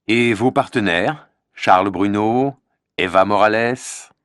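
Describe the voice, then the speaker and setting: A man playing a radio show host in a scripted learner dialogue, with a cheerful, animated manner. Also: lowish voice, slow pace, clear, resonant tone, dry recording, studio quality.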